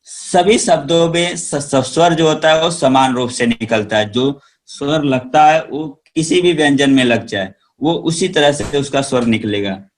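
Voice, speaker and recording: A man teaching a primary school Hindi phonics lesson online, drawing out each word slowly and repeating it with emphasis. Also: a little high. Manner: slow, drawn-out word drills with repeated emphasis.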